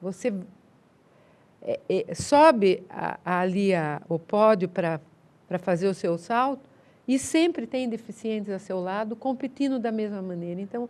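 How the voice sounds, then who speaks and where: A woman speaks at a fairly slow pace with lively intonation, a medium pitch, and long, frequent pauses. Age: 50s. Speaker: foundation administrator and amateur runner. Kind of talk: TV interview.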